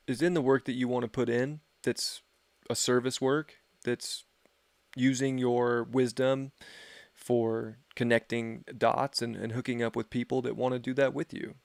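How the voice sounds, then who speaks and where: Man, gravelly voice, dry close sound, loose filler-heavy astrology talk, voice going. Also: mid-range voice, no echo. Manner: rambling, filler-heavy, laid-back. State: losing his voice. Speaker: astrology reader. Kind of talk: casual livestream forecast.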